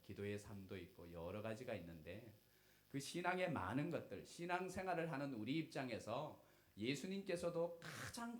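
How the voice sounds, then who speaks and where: A middle-aged Korean pastor preaching a Sunday sermon, filling pauses with "uh" and rising to loud, emphatic calls. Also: male voice, mid-range voice. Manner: fills pauses with "uh", jokes with the congregation, swells to loud emphatic calls.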